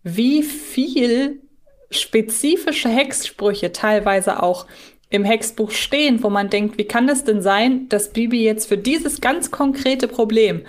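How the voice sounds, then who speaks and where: A woman's voice: fairly high pitch, takes it slowly. A woman co-hosting a fan podcast, explaining details analytically in a conversational way. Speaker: podcast co-host.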